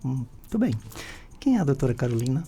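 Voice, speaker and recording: A man hosting a radio interview, speaking in a measured, formal, announcer-like way from a radio studio. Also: medium pitch, sing-song, mellow, a little hiss or hum.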